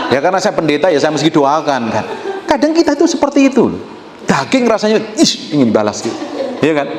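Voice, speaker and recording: A male pastor, preaching a sermon and teasing the congregation, swinging between quiet asides and loud outbursts. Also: high voice. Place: church hall with a congregation. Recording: echoey hall with faint room noise.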